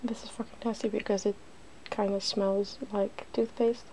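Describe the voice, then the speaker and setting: A woman's voice: mid-range voice, little pitch movement, moderate pace, warm tone, a little hiss or hum. A woman hosting a casual ASMR makeup demonstration, chatty and giggly, drifting into whispers. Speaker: ASMR video host.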